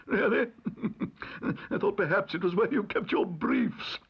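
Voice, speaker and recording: A man voicing a pompous, easily flustered old male judge in a storybook reading, exclaiming in a drawn-out way. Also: high voice, lively intonation, gravelly, breathy edge, voice pushed up, exaggerated voice. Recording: dull lo-fi audio recording.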